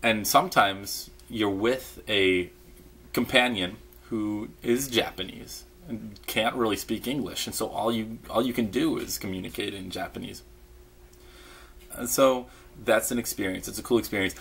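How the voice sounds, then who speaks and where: A man casually rambling to camera about his past, relaxed and chatty with lots of fillers and restarts, sipping a beer as he talks. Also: on the low side, normal speed, creaky, husky. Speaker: vlogger recalling mission in Japan. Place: indoors at home, in pajamas.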